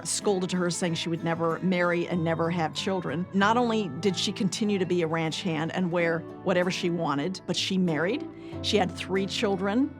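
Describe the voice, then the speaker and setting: Lowish-voiced American woman narrating over guitar. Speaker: archivist and narrator. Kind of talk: documentary storytelling.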